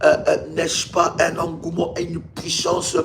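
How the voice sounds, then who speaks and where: On a live stream, a Congolese pastor and ministry leader preaches in a high, completely flat voice with vocal fry at a measured pace. He is emphatic and repetitive, asking rhetorical questions and stammering into restarts as he presses his point. Faint noise is audible behind him.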